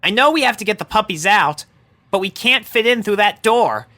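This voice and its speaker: A man's voice: sits high, expressive, normal speed, sharp tone, dry recording, pitched above the performer's own voice. A man voicing a brash, hot-tempered female cartoon pegasus pony in an exclamatory, exasperated way. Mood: alarmed realization. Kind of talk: animated fan fiction character reading.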